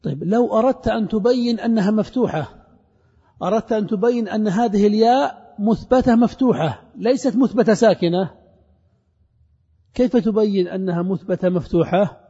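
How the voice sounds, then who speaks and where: A man giving a classroom grammar lesson. He asks questions and answers them himself, and he repeats each example slowly. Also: high voice, warm tone, husky. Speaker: grammar teacher. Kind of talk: classroom lecture on Arabic grammar. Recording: dull lo-fi recording with long hall reverb.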